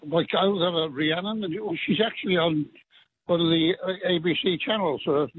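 An older man from Wales chats over a tinny phone line. His husky voice sits a touch high. He rambles with pride. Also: moderate pace, no echo. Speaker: caller. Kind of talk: casual chat.

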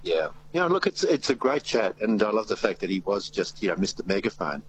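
A man's voice: on the low side, sing-song, brisk, a little hiss or hum, rough recording. A man with an Australian accent hosting a radio show, chatting playfully and poking fun at himself. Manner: playful, self-deprecating, talks in bursts. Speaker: radio host. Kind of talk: casual radio chat. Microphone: studio microphone.

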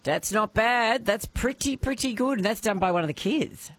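A woman's voice: on the high side, normal speed. A woman hosting a talkback radio show, chatty and playful, laughing easily. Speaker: radio host.

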